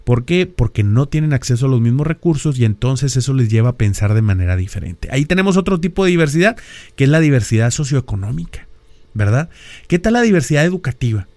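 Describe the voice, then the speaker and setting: A man's voice: medium pitch, animated, fast, a little mellow, no echo. A middle-aged man from Mexico with a northern Mexican accent hosts a podcast, explaining ideas in a lecturing way and often throwing in rhetorical questions. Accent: Mexican (northern, Monterrey). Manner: lecturing, peppered with rhetorical questions and tag "¿verdad?". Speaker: podcast host.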